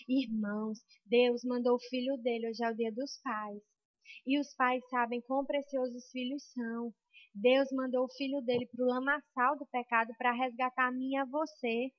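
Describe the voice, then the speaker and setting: A woman's voice: high-pitched, no echo, muffled recording. A young Brazilian woman preaching a sermon in a church with a Brazilian Portuguese accent, impassioned and building to emphatic peaks.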